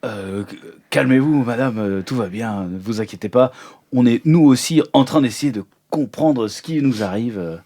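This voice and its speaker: Man as bewildered plumber, paternal, halting, repetitive, medium male pitch, improvised role-play. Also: dark tone, natural voice. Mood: reassuring.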